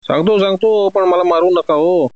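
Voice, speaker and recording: A man's voice: high voice, moderate pace, no echo, muffled recording, pitched above the performer's own voice. A man reading a Marathi story, voicing a frightened male suspect who begs and cries as he pleads for mercy. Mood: terrified, pleading. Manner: whimpering, begging.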